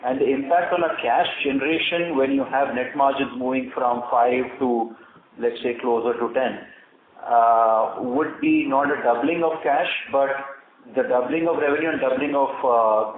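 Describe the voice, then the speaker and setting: A man speaking as a company executive on an earnings call, answering questions in a measured, careful, explanatory way. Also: medium pitch. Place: conference call line. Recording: echoey phone line with heavy noise.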